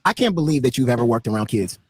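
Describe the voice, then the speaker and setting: Angry, husky-voiced man lecturing. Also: medium pitch, lively intonation, quick pace, no echo, studio quality. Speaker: live stream panelist. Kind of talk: heated live stream debate.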